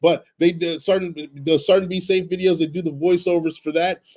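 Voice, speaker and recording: A man hosting a live-streamed podcast, hoarse from a cold, talking in a chatty way that repeats itself, with coughs and apologies. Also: high-pitched, flat delivery, a little fast, darkish tone. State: hoarse, getting over a cold. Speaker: podcast host.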